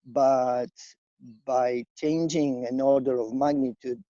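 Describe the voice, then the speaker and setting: Slow-speaking man, dull sound. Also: medium pitch, fairly even intonation, warm tone, no room sound. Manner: hesitant, halting phrasing. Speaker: community network organization representative, speaker. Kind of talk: semi-prepared conference presentation.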